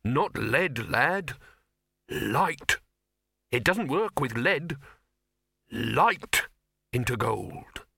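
A man's voice: medium pitch, sing-song, drawn-out words, gravelly, pauses often, pushed and bright, slightly rough, no room sound, studio quality, exaggerated voice. A man voicing a touchy, earnest alchemist in a storybook, correcting people emphatically. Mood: mildly offended.

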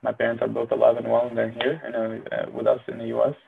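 A man's voice: mid-range voice, completely flat delivery, quick pace, vocal fry, phone-quality sound, background noise. Rambling young man with a Syrian accent. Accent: Syrian Arabic. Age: early 20s. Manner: rambling, filler-heavy, self-deprecating. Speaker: medical student vlogger. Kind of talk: casual monologue.

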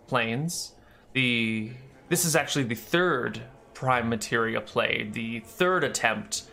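A man voicing a reserved woman, a head cleric who speaks softly and explains slowly with pauses. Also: medium pitch, creaky, slight background noise, heavily acted.

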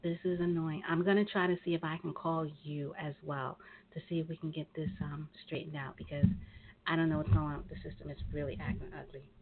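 A woman hosting a talk radio show, chatty and rambling with many pauses, sounding nasal and congested from a cold. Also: deep voice, steady tone. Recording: tinny phone line with faint hiss.

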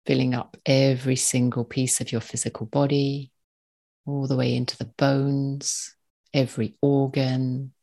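A meditation guide giving slow, soothing spoken instructions in short, spaced phrases with a calm manner. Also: medium pitch, gravelly.

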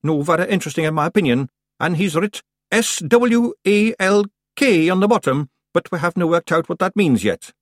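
A man's voice: high-pitched, animated, normal speed, no room sound, clean studio sound, pitched above the performer's own voice. A man voicing a boastful, rambling little fairy clansman with a Scottish accent in a storybook. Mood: brisk. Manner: blustering, rambling, emphatic. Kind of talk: acted storybook dialogue.

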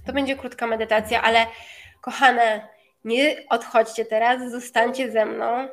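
Higher-voiced woman coaching a guided meditation. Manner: informal, direct address to listeners. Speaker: meditation coach leading a session for women.

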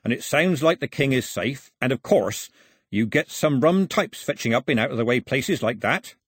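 A plain-spoken sea captain from a seafaring tale, acted by a male narrator. He is wary and dryly respectful, with blunt sailor's talk. The voice is husky, lifted in pitch and recorded very dry. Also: expressive, normal speed, no echo. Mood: grave, practical. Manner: blunt, folksy, nautical talk.

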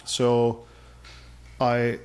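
A man's voice: medium pitch, monotone, very slow, a little mellow. A man in his forties from Serbia, chatting casually as an interview guest, with lots of fillers and a self-deprecating humor.

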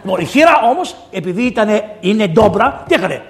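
A man, a priest, preaching a lively storytelling sermon in an amphitheater, acting out the dialogue of his story with sudden loud outbursts. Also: high voice, a little hiss or hum. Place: diocesan amphitheater.

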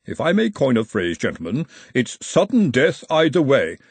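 A man's voice: medium pitch, huge pitch swings, normal speed, slightly rough, dry recording, heavily acted. A man voicing a stern, exasperated referee in an audiobook, speaking formally and pompously.

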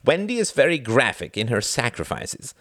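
Man playing a loudly jovial, smug older brother. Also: mid-range voice, moderate pace, dry recording, clean studio sound, voice pushed up. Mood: breezy. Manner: hearty, smug, excitable.

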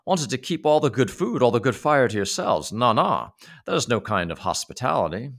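A man voicing a grumpy, greedy little old man who shouts and demands. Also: big pitch swings, a little fast, gravelly. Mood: grumbling demanding. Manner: high, blustering, demanding.

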